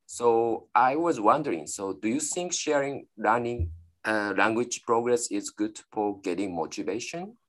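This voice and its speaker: A man hosting an interview, asking questions hesitantly with many fillers and quiet "mm-hmm"s. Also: mid-range voice, unhurried. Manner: hesitant, frequent backchannel "mm-hmm". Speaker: interview host.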